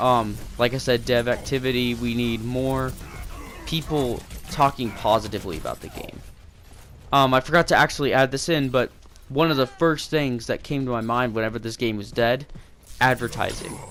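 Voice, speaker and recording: Noticeable background noise runs under a man speaking at a moderate pace, medium in pitch with fairly even intonation. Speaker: gaming YouTuber. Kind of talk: unscripted commentary monologue. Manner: hesitant, with fillers and pauses.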